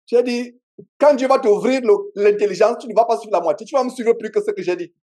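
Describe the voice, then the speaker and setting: A pastor speaking with a Cameroonian French accent delivers an emphatic sermon to a congregation at a church meeting, with call-and-response and key phrases said again and again. His voice is high, a little mellow, and slightly fast.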